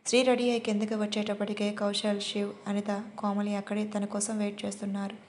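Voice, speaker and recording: A woman's voice: medium pitch, completely flat delivery, fast talker, a little mellow, slight background noise. A woman narrating an audio romance story, reading every part in one voice.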